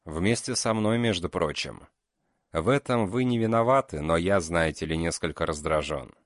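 A man voicing a calm, mocking male killer known as the beast. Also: low-pitched, dry recording, studio quality. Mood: cold. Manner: cold, unhurried, mocking.

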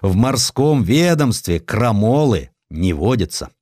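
Man performing kindly blunt admiral, commanding, coaxing, very lively intonation, dry close sound, historical audiobook. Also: on the low side, unhurried, no echo. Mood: firm, wry. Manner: brusque, commanding, then coaxing. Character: crusty, blunt, kindly protective male admiral. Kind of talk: Russian audiobook character acting.

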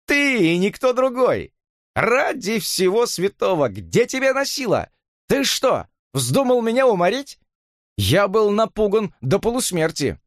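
A man putting on excitable jovial friend Corcoran. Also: a little slow, no echo, clean studio sound. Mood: jubilant. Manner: excited, high and loud, near tears. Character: jovial emotional male friend Corcoran, loud.

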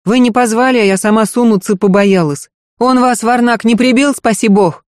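A woman reading an audiobook voices a fussy, tearful peasant maidservant who laments in a rapid, folksy rush. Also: a little high, darkish tone, no room sound, clean studio sound, pitched above the performer's own voice, close to an everyday voice. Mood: wailing fuss.

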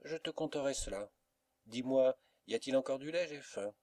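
A man's voice: medium pitch, normal speed, a little mellow, pitched above the performer's own voice, lightly acted. A man voicing a naive, cheerful young woman poet in a storybook reading, speaking lightly. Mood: lively.

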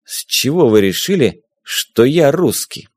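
A man voicing a tough former army officer in an audiobook, curt and quietly threatening. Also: mid-range voice, very animated, unhurried, no echo, clean studio sound. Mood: wry.

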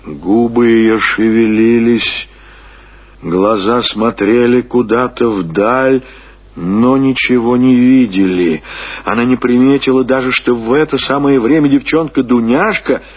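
Husky male narrator of literary radio drama. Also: medium pitch, lo-fi sound. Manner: measured, expressive storytelling with weighty pauses.

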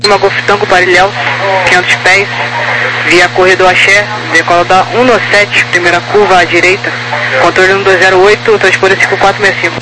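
A female air traffic controller reads out clipped clearances. Her voice comes over an aviation radio with obvious static and hum. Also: medium pitch, flat delivery, a little fast. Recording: noisy radio transmission, vehicle hum.

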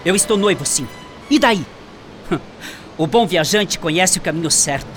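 A man's voice: high voice, animated, normal speed, fairly bright tone, a little hiss or hum. An actor in a radio drama playing an arrogant young male shop clerk who taunts and laughs mockingly. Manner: sneering, laughs often, taunting.

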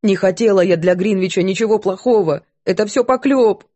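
A woman's voice: medium pitch, brisk, warm tone, no echo, lightly acted. A woman voicing a coarse, hot-tempered cook who scolds and snaps rudely. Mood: shouting. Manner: rude, snapping, scolding.

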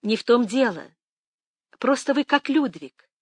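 A woman voicing a frank, warm-hearted middle-aged woman in an audiobook, direct and gently teasing. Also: on the high side, animated, measured pace, husky, no echo, clean studio sound. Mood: candid. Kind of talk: audiobook reading.

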